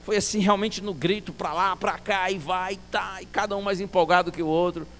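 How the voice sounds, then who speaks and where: A male pastor preaching a sermon as a story, acting out dialogue and swinging from soft to loud. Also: sits high, steady tone, normal speed, slight background noise.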